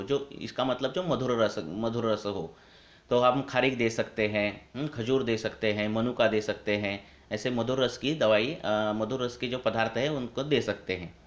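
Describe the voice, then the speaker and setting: Man on an echoey, dull call line. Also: mid-range voice. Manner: measured, explaining with frequent hesitations. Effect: echoey call audio. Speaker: Ayurvedic doctor answering questions. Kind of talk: explanatory Q&A on a call.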